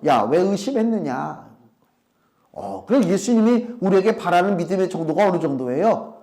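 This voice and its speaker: High-pitched emphatic male pastor. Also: a little mellow. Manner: emphatic, conversational preaching with rhetorical questions and acted-out quotes. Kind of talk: sermon.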